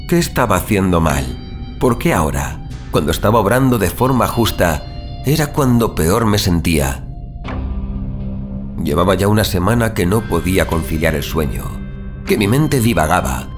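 A man playing a tormented superhuman vigilante who narrates his own fall into violence in a brooding, dramatic horror audio drama. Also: deep voice. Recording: dramatic music behind the voice.

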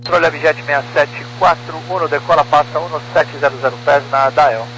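A man's voice: fairly high pitch, steady tone, normal speed, a bit bright. A Brazilian-accented man talking as an airline pilot over the radio to air traffic control. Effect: aviation radio. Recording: noisy humming aviation radio link.

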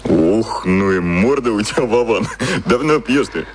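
A man's voice: on the low side, expressive, measured pace, a little hiss or hum. A male actor in a radio drama playing an imposing businessman who talks in a curt, familiar, bossy way. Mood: bluff, familiar. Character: imposing, brusque, patronising businessman, a man.

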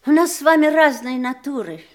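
An actress playing a proud, prickly wife in an audio drama, speaking in a pointed, emphatic stage manner. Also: female voice, high voice, a little fast, close to an everyday voice. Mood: cutting, righteous. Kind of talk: theatrical audio drama acting.

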